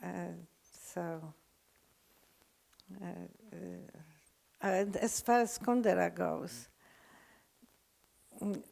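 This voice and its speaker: An older woman with a Polish accent, lecturing unscripted, halting often with fillers and restarts. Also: on the low side, gravelly, a little mellow. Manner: hesitant, many fillers and restarts.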